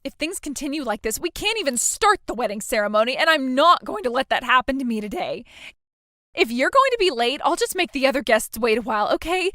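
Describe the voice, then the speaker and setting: Woman as entitled bride, whiny and self-pitying, high, dry sound. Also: big pitch swings, fairly quick, pushed and bright, no room sound, heavily acted. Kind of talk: scripted drama dialogue.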